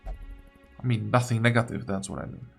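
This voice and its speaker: A man's voice: on the low side, moderate pace, vocal fry, slightly rough, soft background music. A man giving unscripted game commentary, thinking aloud in a musing, hesitant way as if talking to himself. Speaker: gaming video host.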